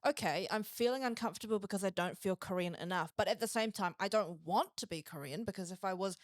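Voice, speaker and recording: A woman's voice: mid-range voice, fast, no room sound, clean studio sound. A young woman with a New Zealand accent hosting a podcast chat, asking questions and relating her own experiences. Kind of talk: casual podcast conversation.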